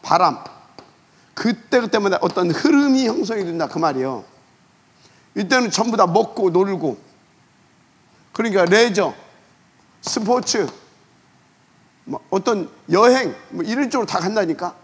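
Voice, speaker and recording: A man preaching a sermon as pastor, emphatic, asking rhetorical questions and letting phrase ends trail off quietly. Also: sits high, lively intonation, measured pace, long pauses, husky.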